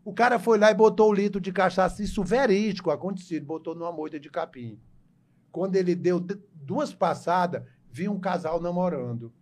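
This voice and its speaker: A middle-aged man telling jokes in a casual chat, animated and often laughing as he goes. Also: high voice, brisk. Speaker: comedian guest.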